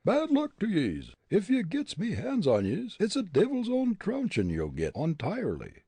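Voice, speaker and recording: A man voicing a boastful, quick-tempered, superstitious Irish tramp with an Irish accent, full of indignant exclamations in a storybook reading. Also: on the high side, wildly swooping pitch, warm tone, breathy edge, no room sound, voice pushed up, heavily acted. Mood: angry, blustering.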